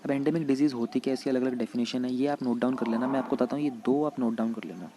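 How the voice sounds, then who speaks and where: A man giving an exam-prep lecture in mixed Hindi and English. He reads English passages slowly, then explains them in Hindi. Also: mid-range voice, noisy background.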